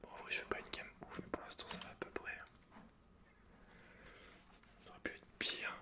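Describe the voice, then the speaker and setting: A man whispering casual, slangy, sweary ASMR commentary while he plays a video game, in a breathy unvoiced whisper. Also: moderate pace, sharp tone. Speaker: host of an ASMR gaming channel. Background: computer keyboard clicks and typing.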